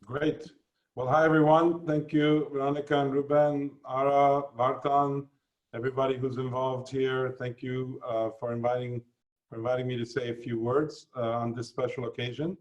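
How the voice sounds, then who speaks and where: Man, guest speaker, raised in canada and the states, formal address, measured, explanatory, mid-pitched. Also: little pitch movement, muffled recording. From Canada and the United States.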